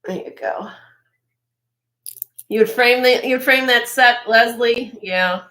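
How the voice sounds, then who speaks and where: A woman with a slightly raspy voice hosting a live jewelry sale, chatting casually and admiringly as she shows each piece, with frequent fillers and restarts. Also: a little high, slow pace, a bit bright. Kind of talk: casual show-and-tell product presentation.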